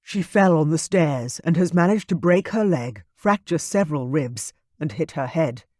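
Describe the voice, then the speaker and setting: An audiobook reader voicing a weary male family doctor who speaks in a calm, matter-of-fact way. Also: mid-range voice, normal speed, dry recording, clean studio sound, natural voice. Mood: grave. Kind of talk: audiobook character voice.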